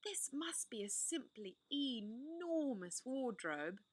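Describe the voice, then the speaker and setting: A woman reading a storybook aloud, voicing a curious young girl in a hushed, wondering way. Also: sits high, big pitch swings, slow pace, no echo, heavily acted.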